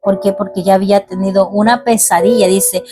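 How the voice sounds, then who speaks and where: A woman's voice: medium pitch, fairly even intonation. Earnest woman reading scripture over music. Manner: reads aloud then reflects in halting, earnest commentary. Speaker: ministry teacher. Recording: faint music behind.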